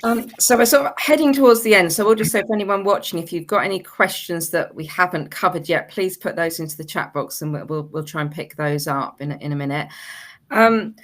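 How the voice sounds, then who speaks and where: A woman's voice: fairly low pitch, lively intonation, moderate pace. A woman hosting a webinar, moderating the panel with questions and hand-overs in an informal spoken style.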